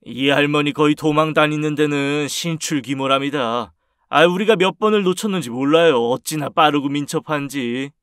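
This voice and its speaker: A worn-out police officer in a storybook drama, formal when on duty and grumbling in chat, as a man plays him. The voice sits a little high and sounds dry and close. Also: normal speed, a bit bright, clean tone, dry recording, close to an everyday voice. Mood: exasperated. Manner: official, then chatty complaining. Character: male police officer, weary and firm.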